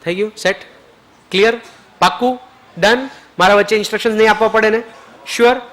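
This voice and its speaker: Guy with a high voice running a forgiveness session at a retreat, keeps asking everyone if it's clear, switches into english bits. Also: steady tone, quick pace. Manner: drops soft and low when leading prayer. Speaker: spiritual teacher leading a retreat. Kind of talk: guiding a group forgiveness ritual.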